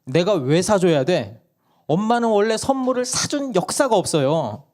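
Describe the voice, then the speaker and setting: A man's voice: sits high, normal speed, pitched above the performer's own voice. Man putting on a blunt, curt mother. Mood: curt, dismissive. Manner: curt, flatly dismissive. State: hoarse. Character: blunt, no-nonsense mother refusing gifts.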